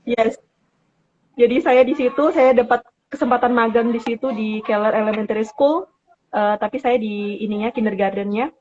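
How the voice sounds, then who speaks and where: A woman from Papua, Indonesia, talking as an interview guest in a casual chat, halting and mixing in English words. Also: fairly high pitch, steady tone, a little mellow, muffled recording.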